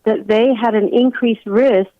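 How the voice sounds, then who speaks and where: A woman from London with an English accent, a doctor giving measured, reflective explanations as a remote radio interview guest. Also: on the high side, steady tone, no room sound. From London, England. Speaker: guest family physician. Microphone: remote call-in line. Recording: dull, lo-fi phone-in line.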